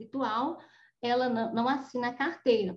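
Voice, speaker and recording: Her voice sits fairly high and shifts in pitch in an ordinary way. The woman has a normal speaking voice. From Brazil, Minas Gerais. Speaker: accountant and professor. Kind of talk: webinar lecture. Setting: live stream.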